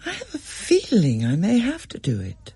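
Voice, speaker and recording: A calm, uncanny schoolgirl with premonitions, put on by a reader, husky and hushed, her pitch roaming about in a storybook reading. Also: normal speed, no echo, full character voice. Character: odd, fey schoolgirl with premonitions.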